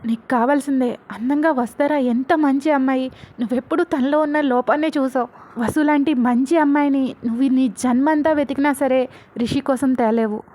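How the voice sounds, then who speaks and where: A woman's voice: high voice, steady tone, fairly quick, natural voice. A woman reading as an angry middle-aged husband. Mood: reproachful. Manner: loud, reproachful.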